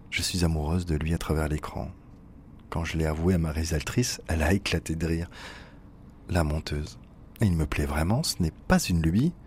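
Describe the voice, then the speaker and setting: A man reading a literary first-person text as narrator, in an intimate, measured way. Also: low-pitched, a little hiss or hum.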